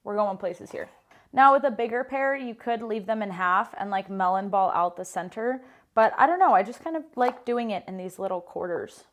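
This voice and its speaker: A woman's voice: mid-range voice, normal speed. American woman, 30s, pastry chef host; casual, friendly kitchen tutorial delivery, filler-heavy chat. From United States. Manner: chatty, upbeat, frequent "like" fillers. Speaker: baker and pastry chef, cooking show host. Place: home kitchen.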